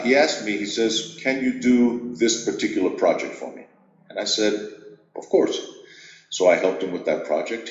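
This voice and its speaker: A middle-aged man from Greece, an executive coach, telling his story at a measured, reflective pace in an interview. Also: fairly low pitch, echoey room, lo-fi sound.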